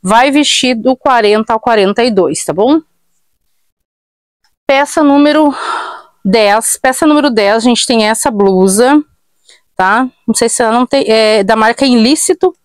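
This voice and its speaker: A woman's voice: a little high, a little slow, pauses often, dry recording. A woman in her thirties from Brazil, chatting casually to viewers as she shows and prices used clothes in a small shop. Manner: chatty, tag questions, addresses viewers. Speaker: online thrift shop seller. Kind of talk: casual live sales pitch. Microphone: fixed camera at mid distance.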